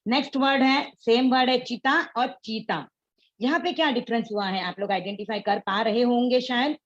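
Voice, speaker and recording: A woman's voice: fairly high pitch, moderate pace, highs cut off. A woman teaching an online class on pronunciation, explaining patiently and mixing English words into her Hindi.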